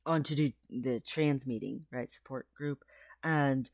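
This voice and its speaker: In a clean studio recording with no room sound, a trans man with a medium-pitched, slightly slow and mellow voice rambles through a casual video diary. He's a chatty vlogger who uses lots of fillers, laughs often, and his voice sometimes cracks.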